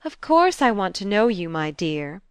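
For an audiobook, a woman lightly acts a flamboyant older society hostess, using a round, rolling voice and a brash, effusive, hail-fellow manner that gushes. Her own mid-range voice is sing-song and clean at normal speed, with no room sound.

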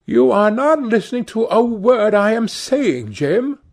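A man's voice: sits high, sing-song, measured pace, darkish tone, voice pushed up, full character voice. A man voicing a gushing lovestruck young woman. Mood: pleading.

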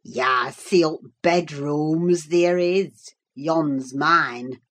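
A woman voicing a surly old male servant with a broad put-on Yorkshire dialect, gruff and sneering in a slow drawl. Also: sits low, voice pushed down, full character voice. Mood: mocking. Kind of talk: audiobook reading.

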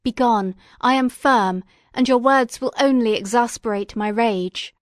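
A woman voicing a defiant, furious young male scientist in an audiobook reading, speaking forcefully and indignantly. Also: fairly high pitch, measured pace, dry recording, studio quality, lightly acted.

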